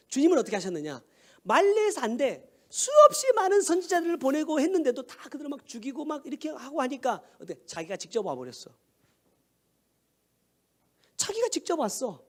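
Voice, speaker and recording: Animated, high-voiced male pastor. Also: fairly quick. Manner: conversational, asks rhetorical questions and answers them. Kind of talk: sermon.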